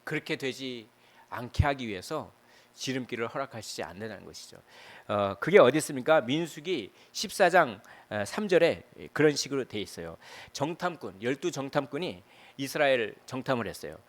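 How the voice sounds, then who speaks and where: A male pastor preaching a Sunday sermon in a church, chatty and animated, with many fillers and rhetorical questions. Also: medium pitch, normal speed. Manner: animated, piling up emotional verbs. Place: church sanctuary.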